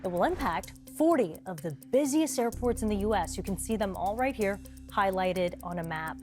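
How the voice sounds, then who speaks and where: A woman's voice: mid-range voice, expressive, normal speed, darkish tone, faint music behind. A woman news anchor reading a scripted report.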